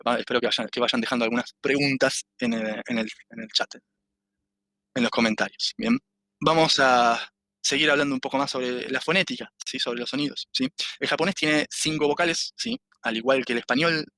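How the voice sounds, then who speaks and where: A man teaching an online class, patiently explaining and tagging nearly every phrase with a quick "¿sí?". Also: mid-range voice, sharp tone. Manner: constant "¿sí?" tag after nearly every phrase. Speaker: Japanese language teacher. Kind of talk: online public class lecture.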